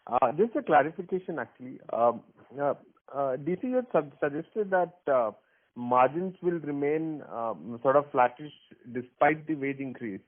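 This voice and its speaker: A man's voice: fairly high pitch, lively intonation. Hesitant male analyst on phone line. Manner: hesitant, drawn-out pauses. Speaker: analyst asking questions. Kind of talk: conference call question.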